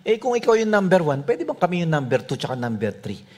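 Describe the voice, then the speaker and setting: Eager disciples beg in a pushy, wheedling voice that climbs high, as a preacher puts them on. The sound is husky and very animated. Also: male voice, fast. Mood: pleading. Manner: pleading, pushy. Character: eager disciples begging for promotion.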